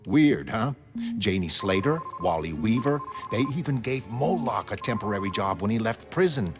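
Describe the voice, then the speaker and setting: A man's voice: fairly low pitch, lively intonation, moderate pace. A man playing an earnest, analytical middle-aged former hero laying out his reasoning. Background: music.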